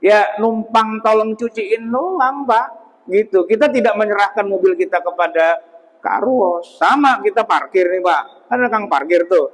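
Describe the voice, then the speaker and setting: A man, an Islamic scholar explaining in a casual talk, asking rhetorical questions and acting out little dialogues. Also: high-pitched. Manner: rhetorical questions, keeps addressing the host. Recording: long hall reverb.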